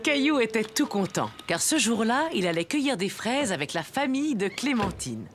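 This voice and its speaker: A woman playing a gentle storyteller, narrating a children's cartoon in a scripted storybook style. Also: a little high, sing-song, normal speed. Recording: music behind.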